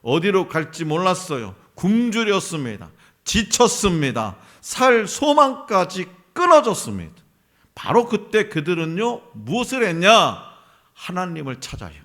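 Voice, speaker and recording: A man's voice: sits high, sing-song, unhurried, fairly bright tone. A man preaching a sermon as a pastor in a church, emphatic, asking the congregation questions and answering them himself. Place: church sanctuary.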